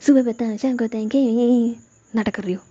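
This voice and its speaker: A woman's voice: a little high, fairly even intonation, brisk, dark tone, muffled recording, close to an everyday voice. A woman voicing a playful young woman in love, with a dramatic, sulky way of talking.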